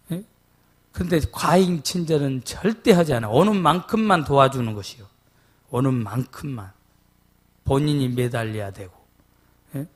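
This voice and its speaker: 부흥회에서 설교하는 남자 목사로, 이야기를 하며 대화를 흉내 내고 "예?" 하고 회중에게 자주 묻는다. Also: male voice, a little high. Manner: animated, acts out dialogue, often asks the congregation "예?". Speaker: pastor. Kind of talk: revival sermon with storytelling.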